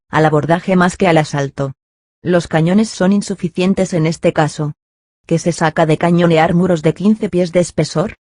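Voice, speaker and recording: A man narrating a classic novel as an audiobook, in a steady, measured storytelling manner. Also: a little high, dry recording, clean studio sound. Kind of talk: scripted literary narration.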